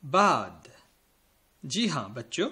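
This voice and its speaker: Lively, higher-voiced man teaching children. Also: husky. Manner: slow, careful spelling out of letters; addresses pupils directly and kindly. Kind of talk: school lesson for children.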